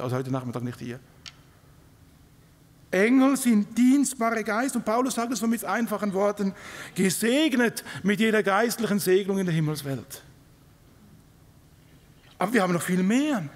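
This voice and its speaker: A middle-aged man with a Swiss German accent, preaching a sermon with emphatic questions to the congregation. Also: high voice. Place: large church hall. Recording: live recording in a reverberant hall.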